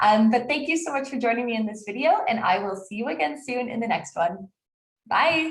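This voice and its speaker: This woman's voice is high in pitch. It swings very widely up and down. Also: fairly quick pace. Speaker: web design and SEO educator. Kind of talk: tutorial outro. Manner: friendly, conversational.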